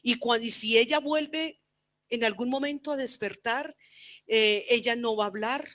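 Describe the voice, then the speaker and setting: A middle-aged woman preaching a personal testimony at a women's church camp, earnest, moving between loud fervent prayer and hushed quiet. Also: fairly high pitch, a little slow.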